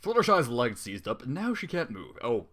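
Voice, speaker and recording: A man reads a story aloud with a very animated, swooping delivery. He keeps stepping out of the narration to comment in an exasperated, sarcastic, sweary way. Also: mid-range voice, moderate pace. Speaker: fan fiction reader.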